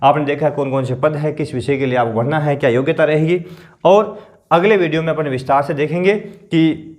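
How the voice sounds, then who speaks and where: Guy with teaching exam stuff, throat kinda sore, bit higher voice, keeps checking "theek hai na". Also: a little mellow. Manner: explains slowly, repeats figures, keeps asking "theek hai na". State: sore throat, clears throat often. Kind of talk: explanatory coaching lesson.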